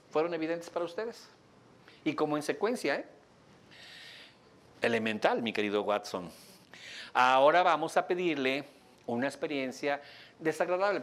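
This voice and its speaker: A man with a Mexican Spanish accent leading a live workshop demonstration for an audience, explaining in a lively, joking way and laughing often. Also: fairly high pitch. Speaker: workshop instructor. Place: training room with an audience.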